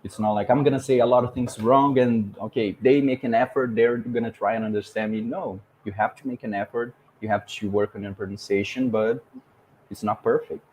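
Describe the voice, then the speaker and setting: A man's voice: mid-range voice, fairly even intonation, a little fast, a little mellow, slight background noise, low-quality recording. A Brazilian man with a Portuguese accent who speaks English fluently and hosts a casual chat. He talks emphatically and drives home his points with rhetorical questions. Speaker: podcast host. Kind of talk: casual conversation about language learning.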